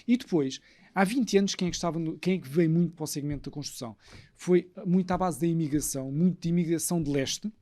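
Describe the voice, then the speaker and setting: A man's voice: on the high side, fast talker, darkish tone. A man with a European Portuguese accent, speaking as an expert guest in an analytical discussion.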